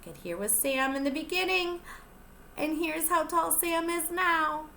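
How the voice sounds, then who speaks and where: In a classroom, a young woman who teaches pre-K reads a picture book aloud to small children, slowly and gently, pausing to ask them questions. Her voice is very high, and the sound is reverberant.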